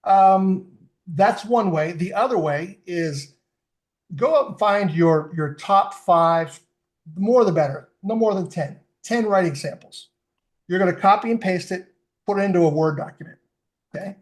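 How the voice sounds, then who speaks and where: A man's voice: high-pitched, a little slow. A middle-aged man, a guest in a casual podcast interview, explaining tools step by step with enthusiasm. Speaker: fitness technology expert guest.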